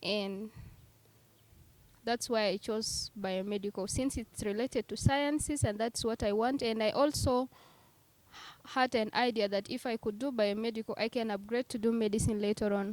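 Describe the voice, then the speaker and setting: A woman with a South Sudanese accent speaks at a fairly high pitch and moderate pace, with fairly even intonation. The recording is very clean with a silent background, and the sound is dry and close with no echo. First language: Dinka. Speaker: university student. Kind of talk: interview.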